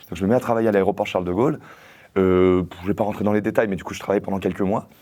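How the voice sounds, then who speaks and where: Talking at a very fast pace, a man with a fairly low pitch and a dark, mellow tone keeps his intonation fairly even. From France. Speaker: YouTuber and actor. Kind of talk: interview storytelling.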